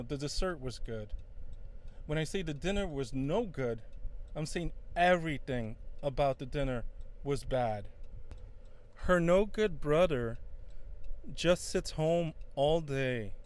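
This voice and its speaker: This male English teacher, a native English speaker, gives a bilingual lesson in Portuguese. His voice sits on the high side with a clear, resonant tone, and he hesitates with fillers while alternating between English and Portuguese.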